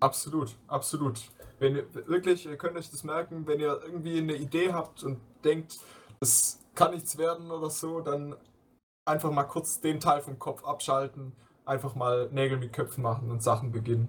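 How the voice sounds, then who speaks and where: Noticeable background noise sits behind a man speaking at a moderate pace at a fairly high pitch with fairly even intonation. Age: young. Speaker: bodybuilding podcast co-host. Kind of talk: casual chat.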